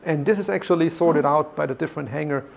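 A man's voice: on the high side, quick pace, vocal fry. A man in his forties with a German accent, guiding visitors through a workshop and explaining the steps with many fillers and restarts. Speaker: factory guide. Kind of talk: guided factory tour explanation. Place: large workshop hall indoors.

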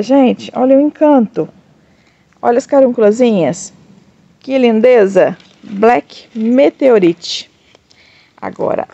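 A Brazilian woman showing off her succulents in a casual vlog, gushing over each plant and speaking warmly to her viewers. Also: a little high, vocal fry, no room sound, highs cut off. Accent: Brazilian Portuguese. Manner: gushing, addresses viewers as "gente", coos over plants with diminutives. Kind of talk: casual show-and-tell vlog.

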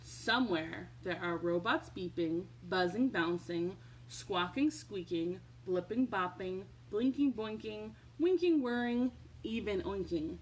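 In her home living room, a children's librarian hosts a storytime for small children, reading aloud and chatting in an expressive, sing-song way. Her voice is medium-pitched and unhurried. It's a rough home recording with faint background noise.

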